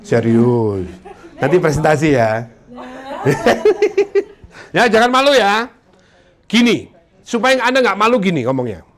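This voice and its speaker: A man giving a joking, lively motivational training talk to insurance sellers, acting out client dialogues. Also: a little high, moderate pace.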